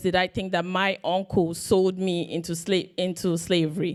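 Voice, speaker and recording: A woman with an unremarkable speaking voice and an American accent talks at medium pitch and a moderate pace on a very clean recording with a silent background. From Cameroon, Bamenda (anglophone), then Maryland from age nine. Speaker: human trafficking survivor and activist. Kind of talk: panel testimony.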